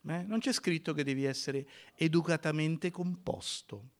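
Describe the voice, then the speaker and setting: A male pastor preaching a sermon in a church, emphatic, swinging from loud cries to near whispers. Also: fairly high pitch, normal speed.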